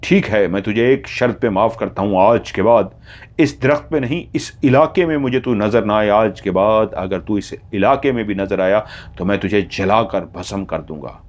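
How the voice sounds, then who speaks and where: Commanding older holy man, male, low-pitched, stern and scheming; a man voices him. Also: moderate pace, close to an everyday voice.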